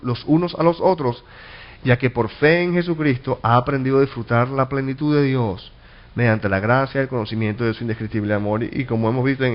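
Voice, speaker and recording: A man's voice: medium pitch, dull audio. A man preaching a sermon as a pastor, teaching earnestly, restarting and repeating words, and asking rhetorical questions that he answers himself. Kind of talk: sermon Bible study.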